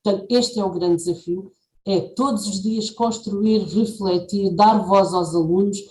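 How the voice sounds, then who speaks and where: A woman's voice: mid-range voice, measured pace, dark tone. A woman speaking as a panelist on education in a webinar, with frequent fillers and restarts. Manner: talks with many fillers and restarts. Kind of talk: webinar talk. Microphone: video call. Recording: echoey video call with faint background noise.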